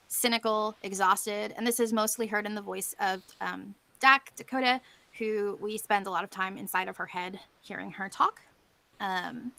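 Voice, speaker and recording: A woman's voice: mid-range voice, bright, forceful tone, dry recording. A woman giving an informal conference presentation as a panelist, explaining things in a conversational way.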